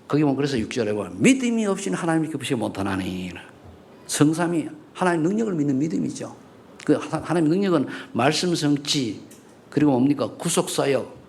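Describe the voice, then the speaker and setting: A middle-aged man preaching a sermon in a church, firing rhetorical questions at the congregation and swinging between loud and hushed delivery. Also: a little high, creaky. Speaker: pastor. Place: church sanctuary.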